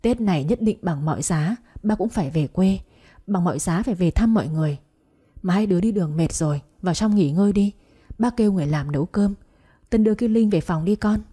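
A woman puts on an elderly mother, tearful and emotional, in a mellow, breathy tone. The voice stays soft and warm, with a husky edge. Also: medium pitch, fairly quick, lightly acted.

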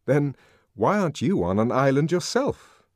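A man voicing a bright young man who questions with astonishment. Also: mid-range voice, sing-song, normal speed, dry recording, studio quality, pitched above the performer's own voice. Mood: astonished.

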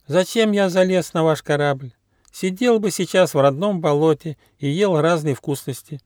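A man's voice: on the high side, normal speed, a little mellow, dry recording, clean studio sound, voice pushed up, lightly acted. A man doing a whiny, self-pitying platypus.

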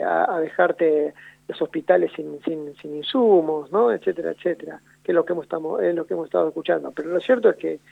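A man with an Argentine accent, a radio guest giving measured, analytical answers and often rephrasing himself. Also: a little high, vocal fry, no echo. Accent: Argentine Spanish. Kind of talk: radio phone interview. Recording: tinny phone line on radio.

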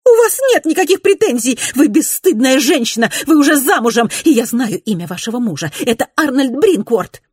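A woman's voice: high-pitched, expressive, brisk, few pauses, no room sound, clean studio sound, pitched above the performer's own voice. A woman reader voicing a haughty, jealous society lady who turns indignant and imperious. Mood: furious shouting.

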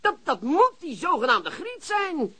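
An actor playing an excitable, gleeful police chief in a radio drama, exclamatory and quick to repeat himself. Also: male voice, very high-pitched, heavily acted. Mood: astonished, indignant.

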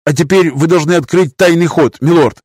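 A man voicing a panicky older male scientist with a shrill, quavering falsetto. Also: a little fast, a little mellow, breathy edge, no room sound, studio quality. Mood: pleading.

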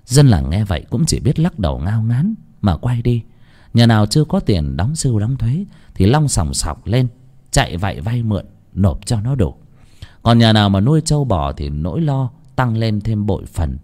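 A man narrates a grim folk tale in a grave, emphatic storytelling voice. His voice sits low but rises and falls expressively to dramatize each scene. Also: very animated, moderate pace, mellow.

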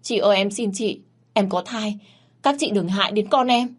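A woman voicing a frightened young mistress who begs for mercy in a high voice. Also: normal speed, breathy edge, natural voice. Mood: pleading. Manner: high, begging. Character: pleading young mistress, terrified and weeping.

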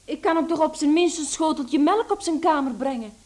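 A woman's voice: sits high, fairly quick, mellow, close to an everyday voice. An actress playing an earnest, caring young daughter in a radio drama, with a girlish manner.

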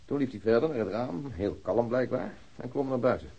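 A slightly husky police detective in a radio crime drama. He is dry and sardonic, setting out facts in an orderly, matter-of-fact way. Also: mid-range voice, expressive, fairly quick, warm tone, lo-fi sound. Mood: wry, businesslike.

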